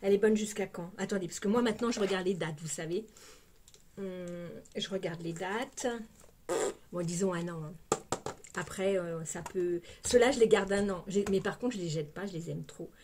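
A woman's voice: on the low side, normal speed, a little mellow. Parisian French woman, casual beauty vlogger, chatty and exclamatory, faint background noise. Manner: chatty, exclamatory, lots of "hein" fillers. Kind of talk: casual unboxing chat.

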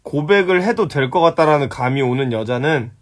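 A man's voice: fairly high pitch, lively intonation, brisk. Blunt, swearing young man on a live stream. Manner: blunt, teasing, swears at viewers. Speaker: live-stream host answering viewer questions. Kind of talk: casual live-stream chat. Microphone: phone.

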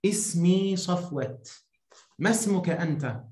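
A man speaks as a language teacher. His voice is on the low side and rings in a roomy, echoing space. He enunciates each phrase deliberately, prompting and repeating for a beginner. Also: expressive, darkish tone. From Egypt. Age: 30s. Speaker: Arabic teacher. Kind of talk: beginner language lesson to one student. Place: small indoor room, video call. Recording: roomy echoing online-call sound.

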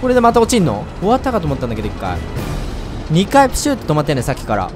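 Excitable man with a lively voice. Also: on the high side, racing, music in the background. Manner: excitable, bursts into loud whoops; chatty, speaks to viewers directly. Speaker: game commentator. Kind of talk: let's play commentary.

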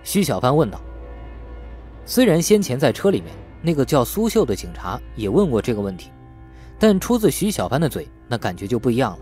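Animated male audiobook narrator. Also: medium pitch, brisk, soft background music. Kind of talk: scripted novel narration with acted dialogue.

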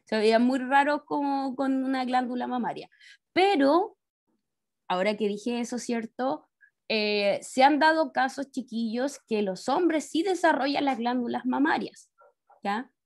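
Patient Chilean teacher on a video call. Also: female voice, high-pitched, a little slow. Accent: Chilean Spanish. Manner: explains step by step, tag questions after each point; speaks to the pupils as kids. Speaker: science teacher. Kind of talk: online class lecture. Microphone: laptop mic on a video call.

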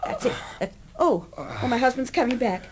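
An actress in a radio drama playing a poised, caring, practical wife with a brisk, well-mannered delivery. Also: female voice, on the high side, sing-song, noisy background. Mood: concerned, firm.

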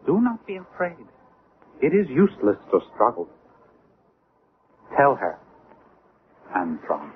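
A zealous male alien leader, grandiose and commanding. His pitch moves in lively sweeps. The 1970s radio drama recording is thin and phone-like with light noise. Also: takes it slowly, long pauses. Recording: tinny, noisy old radio drama recording.

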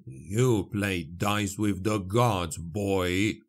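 A man's voice: low voice, very slow, heavily acted. A man voicing a grim, impatient male dwarf warrior in an audiobook, grunting and muttering terse commands. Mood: gruff, grudging.

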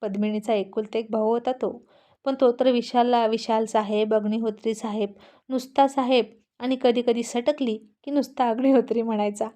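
A woman reads a serialized family story aloud in an expressive, lively way. Her voice is fairly high yet warm and mellow. She carries the story along with clear, expressive storytelling. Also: moderate pace.

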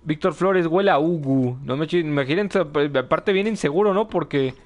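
A man's voice: on the high side, moderate pace. Joking Mexican young man streaming. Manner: joking, reads chat aloud, laughs often. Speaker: gameplay streamer. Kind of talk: casual live gameplay commentary.

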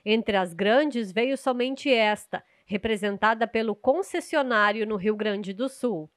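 A woman's voice: fairly high pitch, no room sound. Woman reporting news in a dry voice. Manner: measured, clear reporting delivery. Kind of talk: scripted news report narration. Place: outdoors at an agricultural fair. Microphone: handheld mic.

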